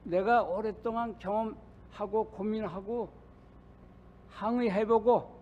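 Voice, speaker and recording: A man's voice: high-pitched, fairly even intonation, a little mellow, slight background noise. Older man preaching, dull lo-fi recording. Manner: personal storytelling, halting with many pauses. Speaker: pastor. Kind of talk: sermon. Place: church sanctuary.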